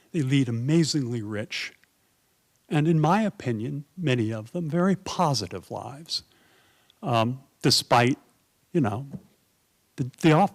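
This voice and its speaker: A man on a symposium panel telling stories from his travels in a frank, conversational way, with fillers. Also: medium pitch. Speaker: panel speaker. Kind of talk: storytelling talk. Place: university symposium hall.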